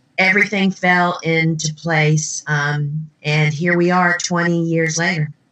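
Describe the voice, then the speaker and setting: At a fairly slow pace, a woman with a fairly low voice speaks in a flat monotone, her loudness very even and her pauses few. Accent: Southern US. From Virginia, Newport News. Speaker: flower farmer and author. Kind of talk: interview. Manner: conversational with fillers.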